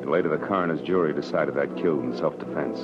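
An American actor playing a wry, world-weary private detective, narrating tersely and dramatically in 1940s radio drama style. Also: male voice, very deep voice, quick pace, loud music behind the voice. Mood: grim narrating. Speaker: actor narrating as lead character. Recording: noisy, muffled old-time radio recording.

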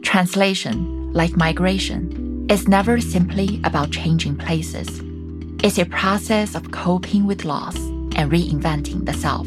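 Calm low-voiced woman narrating. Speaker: host and narrator. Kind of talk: scripted documentary narration.

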